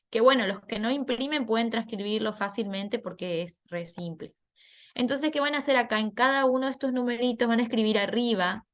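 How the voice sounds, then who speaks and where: Woman, online class teacher, patient explanations, fairly high voice. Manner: patient, explanatory, laughs at herself.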